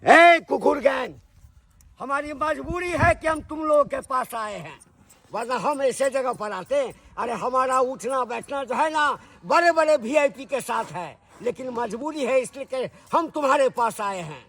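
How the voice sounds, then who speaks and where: Guy doing a raspy old dad with a maithili accent, high voice, slow and boastful, barks threats. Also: a bit bright, exaggerated voice. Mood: pleading. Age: older. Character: proud angry old rich father.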